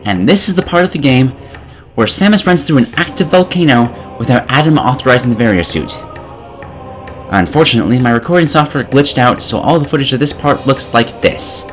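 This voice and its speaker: A man's voice: mid-range voice, expressive, a little fast, soft background music. A man narrating a scripted comedic video game review in a sarcastic, mock-dramatic manner.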